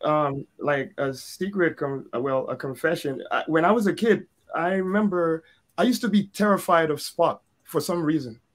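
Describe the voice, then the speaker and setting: A man with a high pitch, lively intonation and a moderate pace. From Nigeria. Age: 40s. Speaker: painter and illustrator; guest. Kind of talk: casual chat. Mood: relaxed, friendly. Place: home room.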